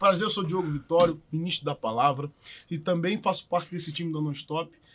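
Fairly quick, fairly even speech from a man with a high voice. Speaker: minister and podcast co-host. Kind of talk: casual chat.

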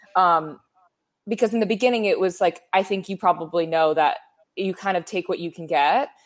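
Fairly quick speech from a woman at a medium pitch, varying in pitch in an ordinary way. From US, San Francisco Bay Area. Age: 20s. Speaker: digital designer. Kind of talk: casual interview chat.

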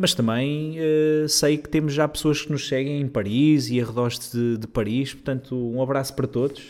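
In an ordinary speaking voice, a man talks at a moderate pace and fairly high pitch, with fairly even intonation and hardly any pauses. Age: 30s. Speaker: podcast host. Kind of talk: outro announcement; casual interview chat.

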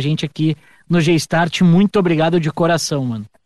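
Recorded with a dry, close sound and no echo, a man speaks in a high pitch at a moderate pace. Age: 30s. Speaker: podcast host. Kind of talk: casual interview.

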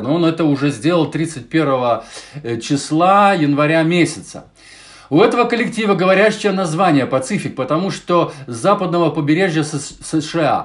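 This man's voice is high in pitch, with ordinary variation. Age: 60s. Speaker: podcaster. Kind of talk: casual podcast monologue. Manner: halting with fillers.

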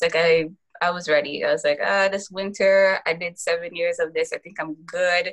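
In an American accent, a woman with a normal speaking voice talks at a moderate pace with ordinary pitch variation. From US Virgin Islands (St. Croix). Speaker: nonprofit founder. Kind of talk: casual chat.

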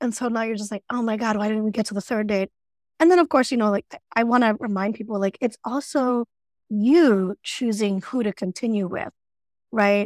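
A woman speaks in a normal speaking voice at a fairly high pitch with ordinary pitch variation. The sound is dry and close, with no echo. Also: fairly quick pace. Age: 30s. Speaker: podcast co-host, UX writer. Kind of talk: casual chat. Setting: video call.

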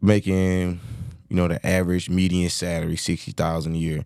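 On a very clean recording with a silent background, a man with a very deep, low pitch and a dark, mellow tone talks at a moderate pace. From rural Georgia. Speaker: podcast host. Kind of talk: casual interview. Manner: animated.

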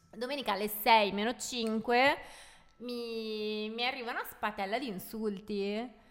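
A woman speaks at a fairly slow pace and a fairly high pitch. Her intonation stays fairly even against noticeable background noise. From Italy, not Milan. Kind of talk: casual chat. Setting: studio.

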